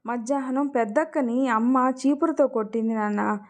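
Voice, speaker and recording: A woman voicing a timid young daughter who speaks in a hushed, secretive way. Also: fairly high pitch, normal speed, natural voice.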